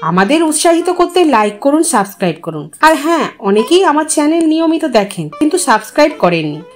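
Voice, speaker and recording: A woman reading a literary short story aloud as an expressive narrator and host. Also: high-pitched, a little fast, faint music behind.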